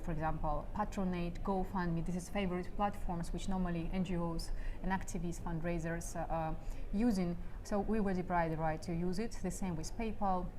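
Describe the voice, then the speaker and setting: Low-pitched Ukrainian-accented woman, halting and earnest. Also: noisy background. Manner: halting, earnest explaining in non-native English. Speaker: human rights activist being interviewed. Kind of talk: spontaneous interview explanation.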